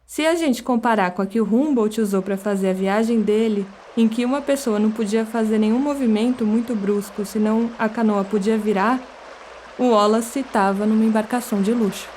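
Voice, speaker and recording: A woman with a Brazilian Portuguese accent, hosting a podcast in measured, scripted storytelling narration. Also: a little high, darkish tone, a little hiss or hum. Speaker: podcast host.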